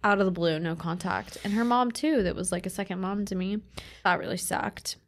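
Young woman podcast cohost, playful teasing, mid pitch, chatty. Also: slight background noise. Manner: playful teasing, quick banter. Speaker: podcast co-host. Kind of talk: casual chat.

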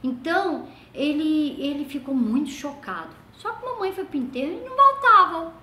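Chatty older Brazilian woman, bright voice. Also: animated, normal speed, a little hiss or hum. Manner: chatty, often trails off into soft low asides. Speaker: vlogger. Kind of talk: casual family storytelling. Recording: echoey room with faint ambience.

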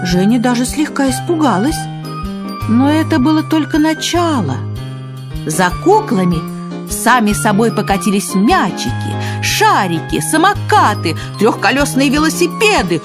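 A woman narrating a children's fairy tale in an expressive, dramatic storytelling manner. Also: medium pitch. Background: music.

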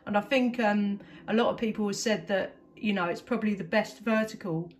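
A woman's voice: mid-range voice, brisk, a little hiss or hum. A woman with an English accent chatting casually as a CB radio operator, enthusiastic and talkative. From England. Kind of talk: casual two-way radio chat.

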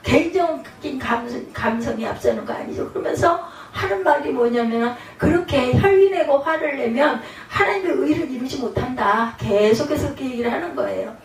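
A woman pastor preaching a sermon in a lively, dramatic way, often acting out the voices she quotes. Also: high-pitched, normal speed, few pauses. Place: church sanctuary. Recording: echoey church hall, mic at a distance.

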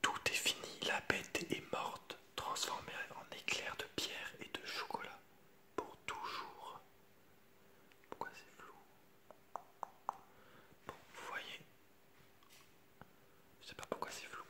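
Man in a soft library whisper. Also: takes it slowly, long pauses. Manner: hushed, explaining the pictures to viewers in informal asides. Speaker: storyteller reading a childhood book aloud. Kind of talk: whispered ASMR picture-book reading with asides.

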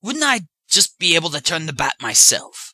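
A man acting out a male radio interviewer in an audio comedy sketch, with a very bright, high-pitched voice. His delivery swings widely in pitch, staying formal and drily skeptical. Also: very animated, normal speed, no room sound, clean studio sound, heavily acted. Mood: dry skepticism. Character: male radio show host, polite but increasingly exasperated and dry. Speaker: radio presenter.

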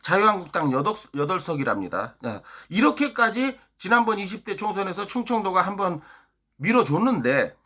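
A man's voice: high-pitched, big pitch swings, normal speed, sharp tone. A man from Chungcheong, South Korea, delivering a heated political monologue as a YouTuber, hectoring his listeners with rhetorical questions.

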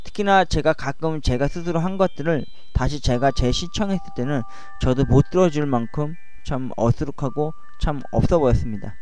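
A man in his forties talking slowly about his own life into a cheap home microphone, with a slight lisp, slurred diction and many hesitant fillers. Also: fairly high pitch, a little mellow. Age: 40s. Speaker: YouTuber. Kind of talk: personal monologue over music. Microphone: cheap microphone at home computer. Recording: music playing behind voice.

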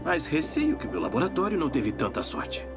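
Wordy cartoon scientist, dub, lively pitch, loud music behind. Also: male voice, fairly quick. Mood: earnest, explanatory. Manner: pedantic, articulate. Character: wordy, polite male scientist inventor. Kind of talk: animated series dub acting. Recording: music under the voice.

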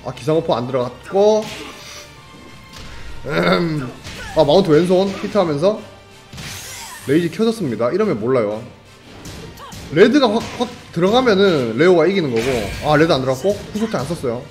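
Young guy commentating a fighting game tourney, pitch jumps all over, kinda high voice, game music faint behind. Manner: excitable, chatty, jokes with viewers, quick reactions. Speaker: esports commentator.

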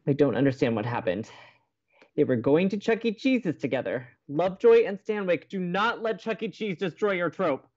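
A fretful young college radio co-host played by an actor in a romantic comedy podcast. The delivery is exasperated and melodramatic, with very mobile pitch. The sound is slightly dull. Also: animated, moderate pace, a little mellow, close to an everyday voice. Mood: dismayed. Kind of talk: romantic comedy audio drama dialogue.

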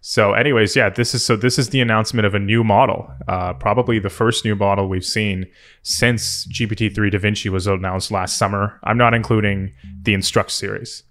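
A man's voice: fairly low pitch, fairly even intonation, brisk, fairly bright tone. A man hosting a tech video, giving casual off-the-cuff commentary in a hesitant, thinking-aloud manner. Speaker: tech video host and software developer. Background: background music.

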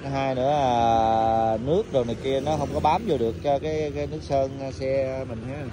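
A man's voice: medium pitch, steady tone, normal speed. A middle-aged man chatting casually to viewers on a phone camera at a roadside cafe, rambling with many filler sounds, motorbikes passing. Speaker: vlogger, bike-wash owner. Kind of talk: casual vlog chat with viewers. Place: roadside cafe outdoors by a busy road. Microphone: phone camera held by the speaker. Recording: loud street traffic noise. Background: passing motorbikes and traffic.

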